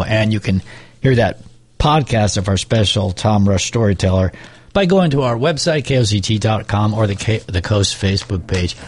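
Lively husky-voiced radio host man. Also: mid-range voice. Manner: jokey, lively delivery. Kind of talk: casual radio banter. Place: radio studio. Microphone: studio microphone.

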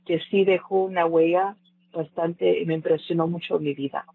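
Woman, earnest interview guest, gravelly raspy voice, dry phone-like sound. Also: lowish voice, fairly even intonation, moderate pace, dry recording. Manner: earnest, with hesitant restarts. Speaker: former scholarship recipient guest. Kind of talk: casual personal story in an interview. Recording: dry tinny phone-like line.

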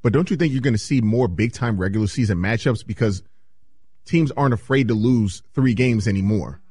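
A man co-hosts a casual sports chat. His voice is lowish and husky, recorded dry and close. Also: brisk, darkish tone, dry recording. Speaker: sports show co-host.

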